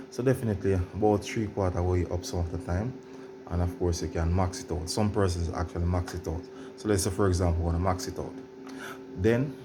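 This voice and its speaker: A man presenting an informal how-to demonstration, explaining in a halting, repetitive way and addressing viewers directly. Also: sits low, background noise. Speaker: tutorial presenter.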